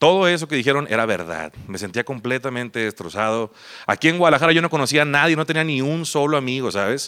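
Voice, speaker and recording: Bright and sharp in tone, a man's fairly high voice races along at a very fast pace. His intonation is lively. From Mazatlán, Sinaloa, Mexico. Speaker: stand-up comedian. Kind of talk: live storytelling. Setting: stage with audience.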